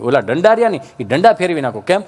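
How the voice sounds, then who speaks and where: A man tells stand-up jokes in a high, bright register. He spins his tales in a folksy, rustic manner, like a village raconteur. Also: very animated, fast. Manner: folksy storytelling with rustic dialect. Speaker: comedian. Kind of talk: stand-up joke telling.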